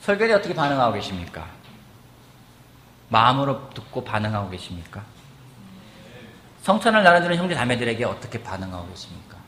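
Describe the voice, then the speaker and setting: A man preaching a sermon in a church, asking the congregation questions and acting out quotes in a lively way. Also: medium pitch, brisk, long pauses, a little hiss or hum. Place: church sanctuary. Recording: echoey church hall with faint ambience.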